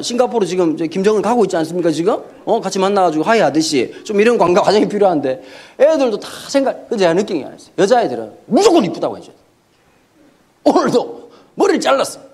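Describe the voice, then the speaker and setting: A man pastor giving a humorous sermon lecture in a church, talking in an animated, comic way and acting out the voices he quotes. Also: high voice. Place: church sanctuary.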